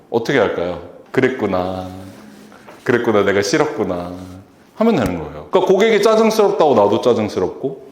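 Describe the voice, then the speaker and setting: A man's voice: mid-range voice, darkish tone. A man giving a public lecture to an audience, acting out quoted lines from customers and staff. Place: lecture hall. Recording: echoey lecture hall.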